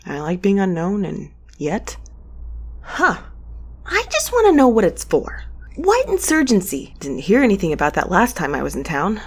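An actress playing a wry, restless space mail courier in an audio drama, muttering and sardonic with a conversational delivery. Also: female voice, medium pitch, wildly swooping pitch, moderate pace, husky, heavily acted. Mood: pensive, curious. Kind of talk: audio drama acting with first-person narration.

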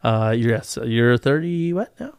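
A man's voice: mid-range voice, animated, measured pace, darkish tone, clear, resonant tone, no room sound, studio quality. A man in his forties hosting a casual podcast in a rambling, jokey, self-deprecating way. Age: 40s. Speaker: podcast host. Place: podcast studio.

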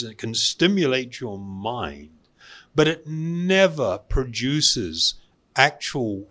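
Slow, deliberate man giving a spiritual talk. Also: mid-range voice, bright, forceful tone. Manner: deliberate, with pauses and emphatic repetition. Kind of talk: spiritual lecture to a live audience.

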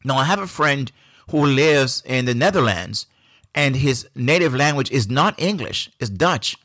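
A man with a Jamaican accent talks through his thoughts on his own podcast, unhurried and reflective, often restarting his sentences. His pitch sits in a middling range, and the recording is close and dry with no room sound. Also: lively intonation, a bit bright, no echo. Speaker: podcast host. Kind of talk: solo podcast monologue.

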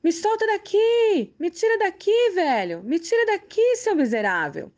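A woman's voice: fairly high pitch, sing-song, moderate pace, highs cut off. A woman doing a shrieking skull-faced Death. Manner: stern, then shrieking in despair.

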